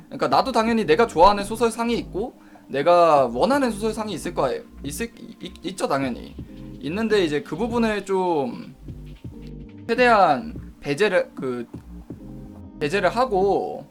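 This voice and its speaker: Man, slightly high voice, live stream chat, rambling, restarts sentences, faint guitar music behind. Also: lively intonation, moderate pace. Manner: rambling, self-correcting, reasoning aloud; reads and answers viewer chat. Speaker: web novel review streamer.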